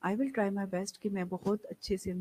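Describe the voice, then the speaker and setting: Slow-speaking hoarse woman lecturer. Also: mid-range voice, a little mellow, slight background noise, low-quality recording. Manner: slow, deliberate explaining that mixes English and Hindi. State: slightly hoarse throat. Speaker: nursing lecturer. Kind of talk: online class lecture.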